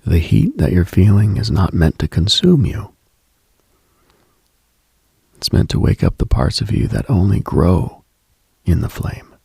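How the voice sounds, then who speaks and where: A late-night radio host reflects on spiritual matters in an intimate hush, his very low voice extremely husky, breathy and full of vocal fry. He is very animated yet measured, pausing often, and there's no echo.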